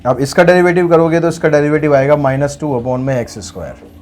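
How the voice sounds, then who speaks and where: Fast and slightly high, with a darkish tone, a man's voice carries a maths lesson. He breaks the problems into steps, explains them out loud, and asks and answers questions on his own.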